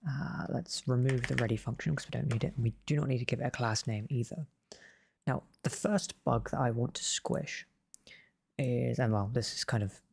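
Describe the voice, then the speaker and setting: A man losing his voice, walking through a coding tutorial in a relaxed way and often correcting himself as he goes. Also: mid-range voice, gravelly, slightly rough, no room sound. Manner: relaxed, self-correcting explanations. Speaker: game development tutor. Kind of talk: screen-recorded coding tutorial.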